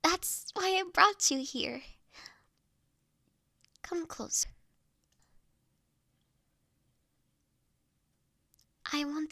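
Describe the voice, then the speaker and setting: A woman playing a gentle, formal young mistress of a manor in a roleplay audio drama, speaking earnest, caring lines in measured, old-fashioned phrasing. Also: high-pitched, vocal fry, dry recording, clean studio sound, exaggerated voice. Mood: tender, soft.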